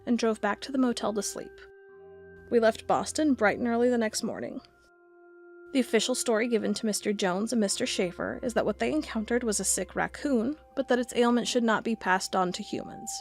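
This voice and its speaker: A woman's voice: mid-range voice, natural voice. Woman acting a female investigator, music behind. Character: female investigator narrating a strange case, reading aloud reports. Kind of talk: scripted audio drama narration.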